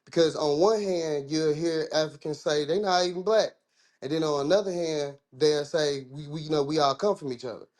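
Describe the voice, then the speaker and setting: A man's voice: a little high, moderate pace, darkish tone. A man from the American South with a Southern accent, talking in a casual discussion, rambling and restarting his sentences in informal speech.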